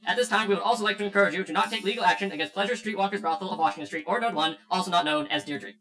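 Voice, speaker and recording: A man plays an officious automated announcer in a sci-fi radio comedy-drama. His voice is very high for a man and bright, firing off legal fine print extremely fast. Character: manic male legal-disclaimer announcer machine, officious.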